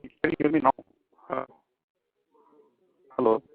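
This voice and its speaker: A man's voice: medium pitch, a little slow, creaky, no room sound. A man calling in on a phone line whose voice keeps breaking up as he checks whether anyone can hear him. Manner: repeatedly checking if he can be heard. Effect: voice breaking up on a bad phone line. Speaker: caller.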